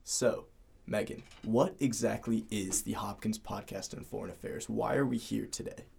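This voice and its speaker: Student podcast co-host, young man, low and raspy, earnest and a bit halting. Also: steady tone, darkish tone. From Cleveland, Ohio. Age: young adult. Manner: earnest, with restarts and fillers. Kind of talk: casual student podcast chat.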